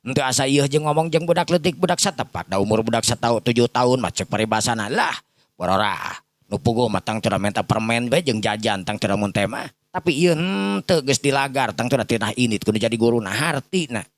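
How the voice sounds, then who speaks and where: A man's voice: medium pitch, brisk, no echo. A man with a Sundanese accent telling a folk tale informally, rambling and repeating himself as he addresses his listeners. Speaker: storyteller.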